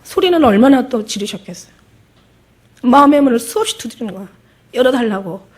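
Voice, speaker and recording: A woman's voice: a little high, animated, fairly quick. A middle-aged woman pastor giving an emotional testimony sermon, acting out the voices in her story.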